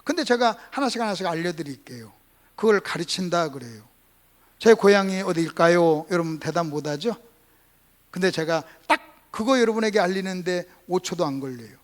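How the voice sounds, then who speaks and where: High-pitched male pastor preaching a revival sermon. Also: animated, normal speed. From Gunsan, North Jeolla, South Korea. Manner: emphatic, repetitive teaching with rhetorical questions. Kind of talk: Sunday revival sermon with call-and-response to congregation. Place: church service.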